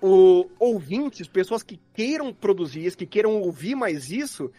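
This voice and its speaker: A man's voice: high-pitched, expressive, unhurried, warm tone, no room sound, faint music behind. A man with a Brazilian Portuguese accent chatting casually as a guest in a live podcast interview. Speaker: podcast guest, audio drama producer.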